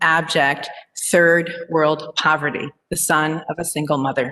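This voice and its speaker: Her intonation fairly even, a woman speaks with an American accent. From US, New Orleans-born, child of Colombian immigrants. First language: Spanish. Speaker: judge. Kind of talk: confirmation hearing opening statement. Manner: formal.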